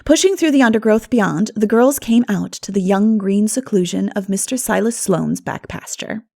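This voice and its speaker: A woman reading a classic novel as an audiobook narrator, in an expressive storytelling manner. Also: medium pitch, moderate pace, gravelly. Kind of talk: scripted literary narration.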